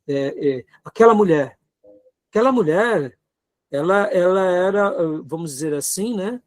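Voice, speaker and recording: A man's voice: high-pitched, lively intonation, unhurried. A man with a Brazilian Portuguese accent giving an earnest seminary lecture, asking rhetorical questions and checking in with his students. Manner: earnest, exhorting, asks rhetorical questions, frequent tag questions. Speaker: seminary teacher.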